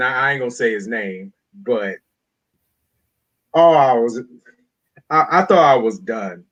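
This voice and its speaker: Talking at a fairly slow pace, a man with a Southern US accent makes very wide pitch swings. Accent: southern twang. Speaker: streamer hosting a discussion. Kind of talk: casual chat.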